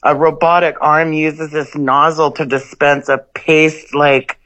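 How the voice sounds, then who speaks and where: A woman's voice: deep voice, level tone, a little slow, fairly bright tone, low-quality recording. A woman co-hosting a radio talk show, speaking emphatically and warning listeners. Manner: emphatic, conspiratorial.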